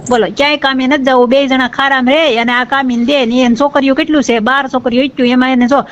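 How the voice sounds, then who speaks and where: A woman's voice: sits high, fairly even intonation, quick pace. A woman of about forty with a rural Saurashtra Gujarati accent, talking casually and plaintively on a phone call, often asking the listener to agree. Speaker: caller seeking help with a marital dispute. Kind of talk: casual phone conversation, recounting grievances. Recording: noisy dull lo-fi phone call recording.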